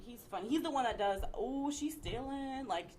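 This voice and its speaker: A woman's voice: high voice, expressive, normal speed, a loud crowd. A woman co-hosting a talk show, chatting with enthusiasm. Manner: enthusiastic, gushing. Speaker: co-host. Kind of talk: casual chat.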